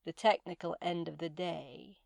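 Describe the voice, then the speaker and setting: A woman playing a stern, imperious Titaness who speaks in a measured, formal, curt way in a fantasy audio drama. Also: lowish voice, gravelly, a little mellow. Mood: businesslike.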